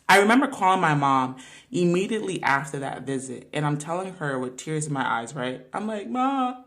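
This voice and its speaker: A woman's voice: lowish voice, a bit bright. A woman in her twenties hosting a podcast, telling a personal story in an emphatic, slangy way with frequent laughter. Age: 20s. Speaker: podcast host.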